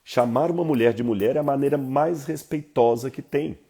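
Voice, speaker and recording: A man with a Brazilian Portuguese accent giving an informal Bible lesson, lecturing in a lively, conversational way with asides to his viewers. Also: medium pitch, normal speed, vocal fry, husky. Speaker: Bible teacher.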